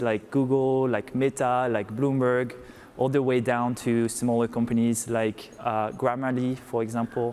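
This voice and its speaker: A man with a medium-pitched voice speaks fairly slowly in a monotone, flat delivery. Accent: French. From France. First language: French. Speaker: tech company co-founder. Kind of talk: onstage interview.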